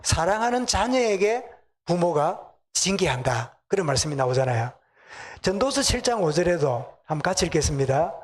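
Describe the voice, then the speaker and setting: A man's voice: on the high side, big pitch swings, normal speed. A middle-aged man with a Gyeongsang accent preaching a sermon in a church, chatting with the congregation and asking them questions. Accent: Gyeongsang Korean. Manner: conversational, asks the congregation questions. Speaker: pastor. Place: church sanctuary.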